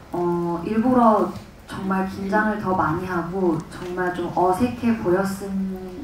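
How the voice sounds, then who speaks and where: A woman actress answering questions at a press conference in a thoughtful, measured way. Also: fairly low pitch, slight background noise. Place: large cinema hall. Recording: echoey hall from far off.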